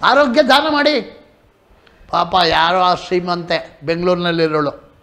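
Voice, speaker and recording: Bright and sharp in tone, a man sounds animated as his pitch swings very widely. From Kanakapura area, Karnataka; Karnataka. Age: 60s. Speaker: retired professor. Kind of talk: political commentary interview. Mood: angry criticism. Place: office.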